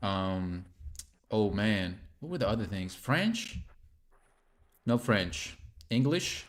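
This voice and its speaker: A man's voice: on the low side, big pitch swings, slow. A young man hosting a casual interview, laid-back and joking with slangy asides. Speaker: podcast host.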